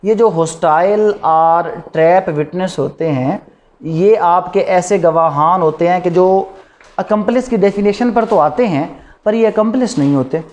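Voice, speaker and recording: A Pakistani man with a fairly high-pitched voice delivers a classroom law lecture. His manner is didactic, as he keeps putting short questions and then supplying the answers himself. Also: a little slow, darkish tone.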